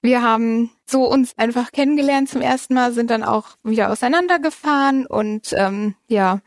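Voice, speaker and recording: A woman's voice: a little high, moderate pace, no echo, clean studio sound. A woman in her early thirties from Germany, an interview guest telling a personal story in a conversational way and often laughing as she goes.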